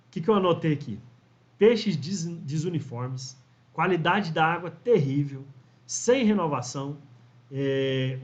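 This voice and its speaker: A man, teaching fish farming in a chatty storytelling way, often tagging sentences with "né?". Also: on the high side. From Brazil. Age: 40s. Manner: chatty storyteller, frequent "né?" tags, acts out quoted voices. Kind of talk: casual instructional talk to camera. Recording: dull lo-fi audio.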